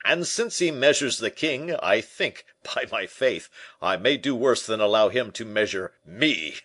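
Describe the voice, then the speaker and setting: Male reader doing a loud, high, pompous nobleman for an audiobook; hot-tempered, boastful. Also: expressive, measured pace. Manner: pompous, indignant, loud outbursts. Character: vain blustering middle-aged nobleman, hot-tempered. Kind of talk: audiobook character voice.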